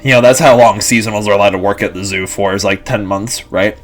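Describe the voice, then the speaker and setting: A Lithuanian-English bilingual vlogger in his twenties rambles casually to the camera, full of fillers and restarts. His voice is fairly low and fast, with fairly even intonation.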